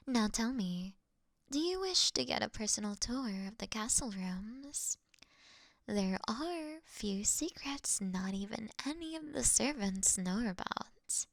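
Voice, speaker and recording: Woman doing a flirty predatory vampire queen, highish voice w some creak, slow n whispery, roleplay audio. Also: fairly bright tone, no echo, studio quality, heavily acted. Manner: breathy, often whispered, refined and unhurried. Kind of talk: intimate roleplay audio drama, ASMR-like.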